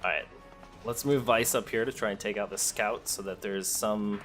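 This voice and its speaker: A man with a fairly low voice commentates casually on a video game. He thinks aloud through his moves and addresses the characters directly. Faint music plays behind him. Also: steady tone, moderate pace, fairly bright tone. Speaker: let's play host. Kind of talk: casual gameplay commentary, sometimes reading game text aloud.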